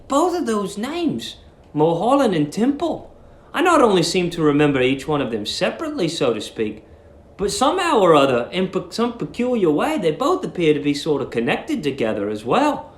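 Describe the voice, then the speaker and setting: A man's voice: high voice, huge pitch swings, normal speed, pitched above the performer's own voice. A man playing an earnest, polite seventeen-year-old lodger in a story reading, puzzled and hesitantly groping for words. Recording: roomy echo.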